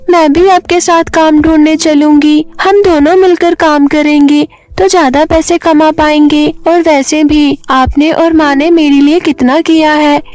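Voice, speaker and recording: Woman doing an eager little sister, very high-pitched. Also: darkish tone. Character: young eager little sister, caring and insistent.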